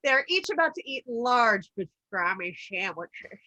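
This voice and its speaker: A woman's voice: fairly high pitch, big pitch swings, unhurried, pushed and bright, poor audio. A woman reading scripted stage directions as narrator for a table read.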